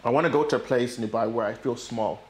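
A young man from Nigeria raised in Ireland, a guest talking in a casual sit-down interview, animated and rambling with plenty of fillers, on a lapel mic. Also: medium pitch, fast talker. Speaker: guest, forex trader. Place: bright living room, indoors. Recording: echoey room.

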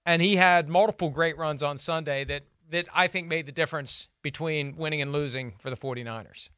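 A man in his fifties hosts a sports talk show with a bright, smooth voice. He talks emphatically in quick bursts. The sound is dry and close, from a studio mic. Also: a little high, dry recording. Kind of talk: casual studio discussion. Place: studio with brick wall. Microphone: studio mic on boom arm.

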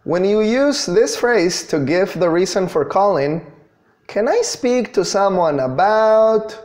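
A man in his thirties giving an online English grammar lesson in a deliberate, instructional manner, stressing key words. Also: sits high, lively intonation, a little mellow. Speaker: English teacher. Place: small indoor room.

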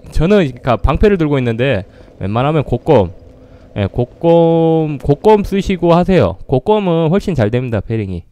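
A man's voice: on the high side, warm tone, clear, resonant tone. A man streaming a game live, greeting viewers and trash-talking the opponents he fights.

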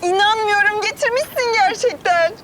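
An actress playing an earnest, excitable young woman, a little sister who loves to draw. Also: very high-pitched, moderate pace, noisy background. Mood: chatty. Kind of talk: TV drama acting. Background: music.

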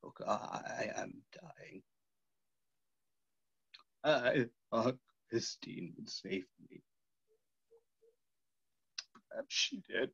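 An actor playing a dying, tormented, lonely Phantom with broken, halting delivery in a staged reading over a video call. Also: male voice, mid-range voice, animated, creaky, a bit bright, slightly rough, no echo, in a whisper, exaggerated voice. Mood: weary, dying. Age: middle-aged. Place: small room indoors, video call. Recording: dull video call audio.

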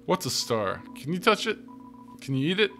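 A man's voice: fairly high pitch, very animated, moderate pace, sharp tone, full character voice. A man voicing a small, innocent creature in a video game, asking questions naively. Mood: curious. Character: curious, innocent little star-questioning creature. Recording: game music behind the voice.

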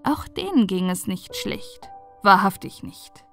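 A woman reading a fairy tale as an audiobook narrator, in an expressive, deliberate storytelling manner. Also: mid-range voice, soft background music.

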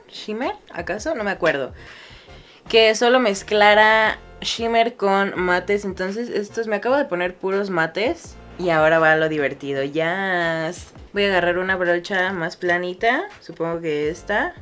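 Chatty self-mocking Mexican woman. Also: mid-range voice. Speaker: beauty vlogger. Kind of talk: casual makeup tutorial chat.

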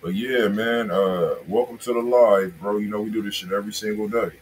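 A man's voice: lowish voice, steady tone, a little fast. A man in his thirties with an American accent, hosting a livestream in casual, slangy chat, speaking straight to his viewers. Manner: slangy, conversational, addressing viewers directly. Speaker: music review livestream host. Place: indoors, small room. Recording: noisy livestream room sound.

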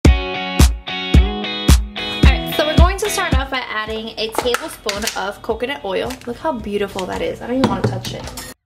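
This beauty vlogger, a young Puerto Rican-accented woman, speaks a little high with an animated, creaky voice at a moderate pace, leaving long pauses. She's giggly and playful, chatting and laughing between phrases during a DIY tutorial from her home studio, where the room echoes and faint music plays.

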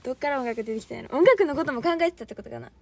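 A woman's voice: sits high, lively intonation, very fast, a little mellow, dry recording. A young woman with a Kansai accent, chatting on a livestream as an idol trainee, rambling and laughing often while thanking viewers. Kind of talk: casual livestream chat.

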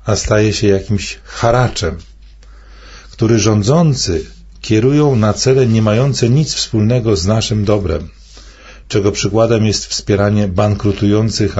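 An older man delivering scripted commentary in a measured, declamatory way, posing rhetorical questions. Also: fairly low pitch, a little mellow, slightly rough, lo-fi sound.

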